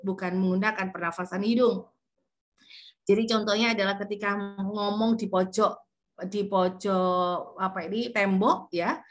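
A woman, teaching a public speaking class over a video call and acting out her examples with changing intonation. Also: medium pitch. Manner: demonstrative, shifts intonation to show examples. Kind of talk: online class lecture.

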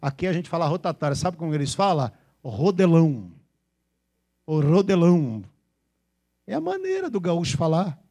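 A man's voice: a little high, huge pitch swings, quick pace, creaky, hardly any pauses, a little mellow. A man preaching a sermon to his congregation in a São Paulo interior accent, playfully imitating regional ways of speaking. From Brazil. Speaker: pastor. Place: church with a congregation.

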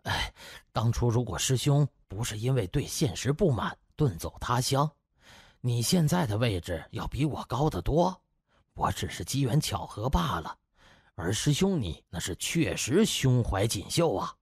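Guy doing an older hospital boss, effusive and self-assured, husky, lively swings, audiobook. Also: medium pitch, a little slow, no room sound, clean studio sound, heavily acted. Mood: admiring. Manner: effusive, exclamatory.

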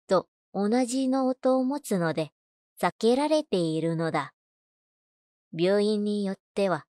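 Woman, medium pitch, scripted narration, audiobook reader, very little room echo. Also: a little mellow, clean studio sound. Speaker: voice-over narrator.

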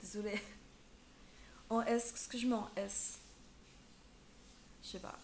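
A woman's voice: medium pitch, little pitch movement, slow, a little mellow, a little hiss or hum. A woman in her twenties with a French accent, chatting playfully as a live streamer and switching into accented English. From France. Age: 20s. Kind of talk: casual live stream chat.

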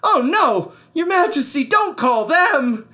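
A man's voice: sits high, wildly swooping pitch, unhurried, voice pushed up, full character voice. A man voicing an earnest, anxious young page boy in a storybook, deferential and pleading. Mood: alarmed pleading.

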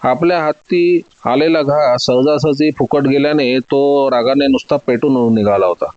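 A man narrating a detective story in a steady, dramatic reading. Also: mid-range voice, normal speed, no room sound, highs cut off.

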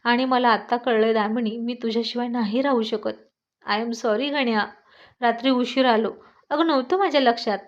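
A woman's voice: a little high, normal speed, close to an everyday voice. A woman voicing a playful, teasing young husband in a storybook reading, with a coaxing manner. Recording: dull lo-fi recording.

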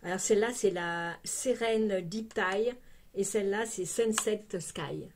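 A woman's voice: mid-range voice, measured pace. A woman with a Parisian French accent chatting casually through a makeup unboxing, exclamatory and full of little fillers. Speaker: beauty vlogger.

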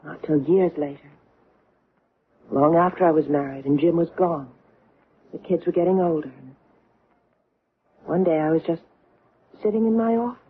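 An actress playing an earnest, haunted middle-aged woman in a vintage radio drama, recalling strange things in hesitant, deliberate, broken phrases. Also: sits low, husky. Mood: haunted, uneasy. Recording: noisy, tinny old radio recording.

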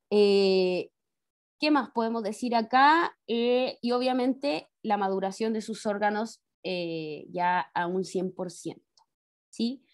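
A woman teaching science in an online class with a Chilean accent, explaining step by step and checking in with tag questions after each point. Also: medium pitch. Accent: Chilean Spanish. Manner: speaks to the pupils as kids. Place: home, on a video call. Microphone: laptop mic on a video call.

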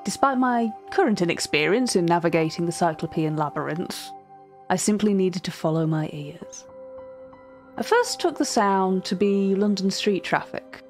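A woman playing a cultured, earnest art curator, narrating a fiction podcast in a formal, precise and measured manner. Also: fairly low pitch, animated, soft background music, lightly acted. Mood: measured, intrigued.

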